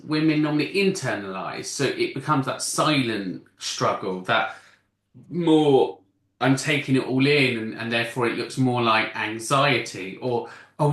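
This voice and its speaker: A man on a casual panel explains masking in long, extended stretches, frequently restarting his sentences. His mid-range voice is a bit bright, and the room sounds spacious.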